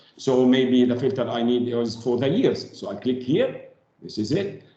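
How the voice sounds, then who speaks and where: Speaking at a moderate pace in a room with audible echo, a man has a medium-pitched, somewhat breathy voice with a dark, mellow tone. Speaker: software trainer. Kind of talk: tutorial.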